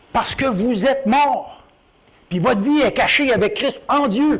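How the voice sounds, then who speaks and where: A loud man talks with very wide pitch swings against noticeable background noise. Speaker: pastor. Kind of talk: sermon. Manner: animated.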